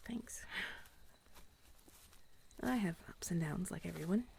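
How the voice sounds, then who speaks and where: A woman playing an affectionate, playful companion on a moonlit walk in an intimate ASMR role-play, with a soft, breathy voice. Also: fairly low pitch, expressive, slow pace, a little hiss or hum, full character voice. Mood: tender, soothing.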